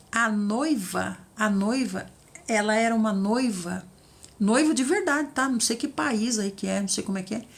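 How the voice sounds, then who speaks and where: Female preacher, lively and a bit high, acts out quoted voices. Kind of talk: devotional teaching.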